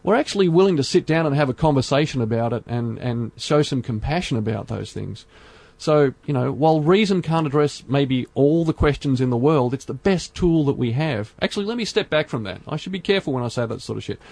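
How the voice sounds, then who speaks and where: A man's voice: medium pitch, expressive, vocal fry, darkish tone, no echo. Earnest male podcast host, dry sound. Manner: earnest, speaks in measured phrases with many fillers. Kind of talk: casual podcast discussion.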